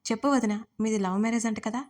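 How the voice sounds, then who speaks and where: A woman's voice: fairly high pitch, steady tone, fast, darkish tone, lightly acted. A woman voicing a cheeky, teasing young woman, the groom's playful sister, in a romance audio story.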